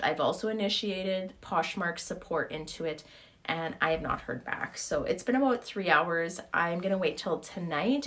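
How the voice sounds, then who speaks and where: A woman with a slightly hoarse, sore-throat voice, telling a story in a casual, exasperated vlog style with acted-out reactions. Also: on the low side, fairly bright tone. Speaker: YouTube host and online reseller.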